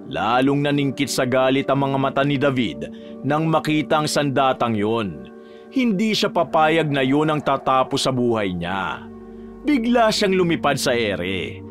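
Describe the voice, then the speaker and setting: A man telling a scripted horror story in a dramatic, animated narration style. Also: mid-range voice. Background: faint background music.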